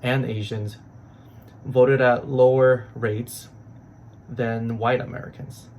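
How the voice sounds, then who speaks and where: A man reading scripted explainer narration in a measured, serious way. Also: mid-range voice, little pitch movement, a little mellow, rough recording.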